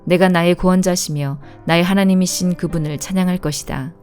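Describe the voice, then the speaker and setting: A woman reads scripture aloud in a calm, measured way. Her voice sits fairly low and sounds warm and mellow. Soft instrumental music plays faintly behind her. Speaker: Bible reader.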